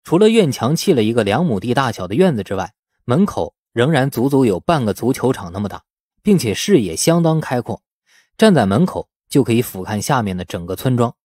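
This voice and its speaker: A man's voice: mid-range voice, big pitch swings, a little fast, a little mellow, dry recording, clean studio sound. A man narrating a novel as a scripted audiobook in a storytelling style.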